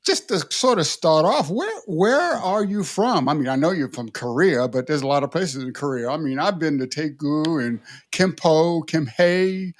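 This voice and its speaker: A man's voice: fairly high pitch, expressive, normal speed, few pauses. A man hosting a video podcast interview in a conversational way, asking follow-up questions. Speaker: podcast host.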